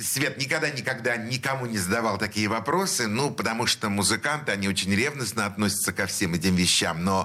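A man speaks with a plain, everyday voice at medium pitch. His intonation is lively. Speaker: radio host. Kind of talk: radio interview. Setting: radio studio.

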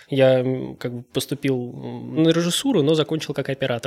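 There is noticeable background noise as a man speaks at medium pitch. His intonation stays fairly even. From Russia, Kazan. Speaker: street artist. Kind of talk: casual interview. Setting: artist's studio.

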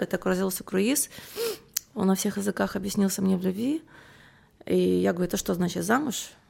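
A woman talks at a very fast pace. Her medium-pitched voice has a dark, mellow tone. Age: 40s. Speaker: magazine editor. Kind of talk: interview. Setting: hotel room.

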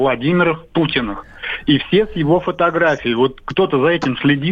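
This man's fairly high pitch shows ordinary variation. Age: 60s. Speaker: caller. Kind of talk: phone-in call.

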